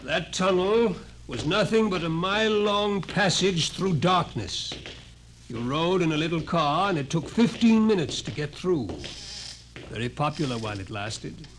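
A man's voice: a little high, lively intonation, unhurried, a bit bright. A man playing a grave, insistent doctor in a 1950s radio drama, lecturing emphatically with an ominous air. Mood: intense, knowing. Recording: noisy old 1950s radio recording.

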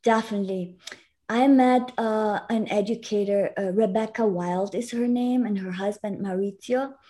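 A woman's voice: medium pitch, normal speed, dark tone. A woman from Italy whose first language is German, a guest in an interview, talking earnestly and explaining things with frequent restarts. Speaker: guest educator. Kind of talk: conversational interview.

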